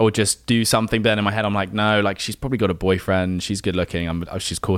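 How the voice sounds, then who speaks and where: A man talks at a very fast pace with hardly any pauses and fairly even intonation. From London. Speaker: personal trainer. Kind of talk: casual chat.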